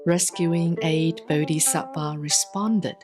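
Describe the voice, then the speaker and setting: A woman giving a solemn, scripted reading of scripture in measured, deliberate phrases with frequent pauses. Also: low voice, steady tone, music in the background. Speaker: sutra reader, Buddhist nun.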